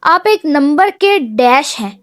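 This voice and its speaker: A stubborn, hot-tempered young woman, played by a woman narrator in a storybook reading, sulking and pleading by turns. Her voice sits high and bright, recorded close and dry. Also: very animated, dry recording. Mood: angry. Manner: sulky, pleading, shouting in outbursts.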